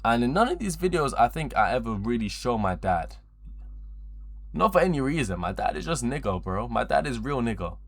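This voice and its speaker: A man's voice: mid-range voice, sing-song, fairly quick, creaky. A twenty-year-old man chatting casually on a livestream in a rambling, slangy, repetitive way, with frequent swearing. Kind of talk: casual livestream chat to viewers.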